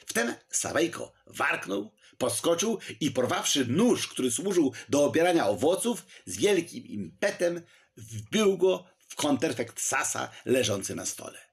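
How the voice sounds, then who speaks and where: Male narrator, gravelly, animated pitch, historical novel reading. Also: measured pace. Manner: lively storytelling reading. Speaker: audiobook narrator.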